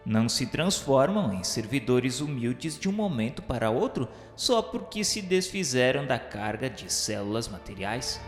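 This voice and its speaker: A man with a Brazilian accent reads a scripted radio novela narration in a formal, measured, didactic way. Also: mid-range voice, sing-song. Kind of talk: scripted dramatized narration, solemn literary reading. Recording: echoey hall reverb, music underneath. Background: music.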